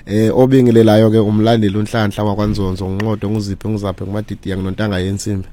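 Low, flat South African spiritual guest. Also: male voice, fast. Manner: long formal lists of greetings and praise names. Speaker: spiritual teacher as radio guest. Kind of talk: formal greeting and teaching on radio.

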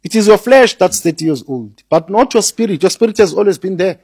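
High, husky man teaching. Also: animated, a little fast, a little mellow, no room sound, clean studio sound. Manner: repeats words while building points, mixes in Zulu. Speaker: radio guest teaching spirituality. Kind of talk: earnest teaching talk on radio.

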